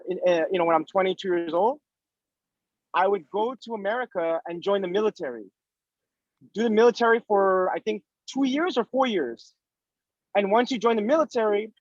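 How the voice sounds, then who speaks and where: Male interviewee, thirties, notably high voice, emphatic explainer in casual conversation, lo-fi recording. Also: dry recording. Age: 30s. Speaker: interviewee giving career advice.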